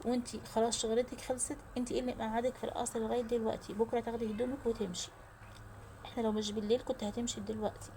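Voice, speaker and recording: A woman's voice: a little high, little pitch movement, very fast, dark tone, slight background noise, lightly acted. A woman voicing a stern, domineering widowed mother with an Egyptian accent, cold and commanding.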